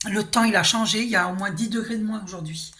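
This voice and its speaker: A hoarse woman giving a casual, reassuring spiritual card reading, often clearing her throat and asking "d'accord?". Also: medium pitch, fast, pushed and bright. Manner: chatty, reassuring, tag questions like hein and d'accord. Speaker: tarot and oracle card reader.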